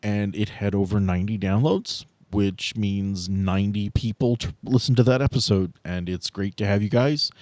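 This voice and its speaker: Guy with a lowish voice running a tabletop podcast, casual chat, dry close sound. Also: fairly even intonation, moderate pace, few pauses, darkish tone, no room sound. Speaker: game master and podcast host.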